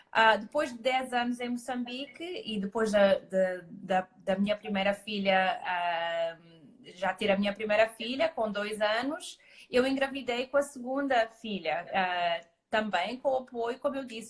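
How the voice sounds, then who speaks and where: Middle-aged Mozambican-born woman guest, higher voice, halting delivery full of fillers. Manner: hesitant, many fillers and restarts. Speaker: guest naturopathic doctor. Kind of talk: live interview.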